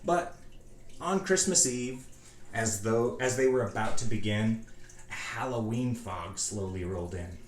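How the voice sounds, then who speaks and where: A man reads a rhyming storybook aloud in a mid-range voice. He takes it slowly, pausing for theatrical effect. The recording is echoey, with faint noise behind him. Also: lowish voice. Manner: measured, theatrical phrasing with pauses. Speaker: storybook reader. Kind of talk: dramatic reading of a rhyming storybook.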